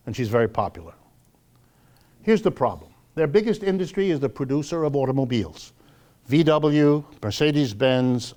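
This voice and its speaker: A man speaks as a public lecturer, in a fairly high voice with a mellow tone. His pitch swings widely as he stresses points, asks rhetorical questions and pauses deliberately. The delivery is informal storytelling to a live audience. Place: live talk before an audience.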